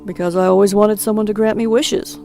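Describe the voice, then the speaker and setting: A woman's voice: mid-range voice, steady tone, a little fast, creaky, mellow, soft background music, lightly acted. A woman voicing a boyish husband in audiobook dialogue, childishly enthusiastic and easily wounded, with matter-of-fact phrasing. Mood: calm, deadpan.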